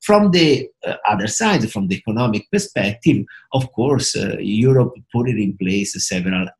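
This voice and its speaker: A middle-aged man from Italy with an Italian accent, explaining in a halting, hesitant way with many fillers and repeated words, like a professor speaking to a webcam. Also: lowish voice, animated. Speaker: professor of finance and risk management. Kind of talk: explanatory talk to camera. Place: small indoor home office with bookshelves.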